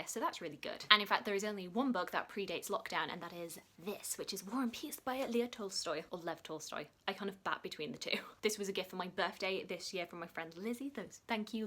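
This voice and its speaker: A young woman with a mild Yorkshire accent chats to camera, answering viewers' questions about books. Her voice sits a little low for a woman but sounds bright and crisp. She talks quickly, dropping in plenty of "like" and laughing at herself. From West Yorkshire, England. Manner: chatty and self-mocking, many "like" fillers. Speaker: book vlogger. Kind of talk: casual Q&A chat to camera.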